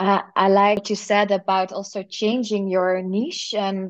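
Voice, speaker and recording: An ordinary speaking voice moves at a fairly slow pace against a quiet background. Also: woman. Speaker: podcast host. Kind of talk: casual interview.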